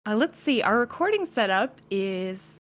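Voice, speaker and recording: A woman's voice: mid-range voice, very animated, a little slow. A woman with a mid-range voice speaks as one of a podcast's cast. Her talk is casual and conversational, like a group chat. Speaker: podcast cast member and writer.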